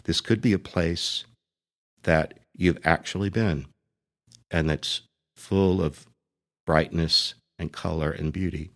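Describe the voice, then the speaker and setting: A man speaking as a priest leading a guided meditation, gently and deliberately, pausing between short phrases. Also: low voice, steady tone.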